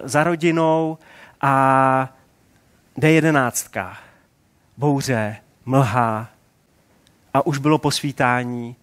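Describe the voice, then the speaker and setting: A man in his forties preaching a sermon in a relaxed, conversational way, asking rhetorical questions. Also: mid-range voice, clean tone.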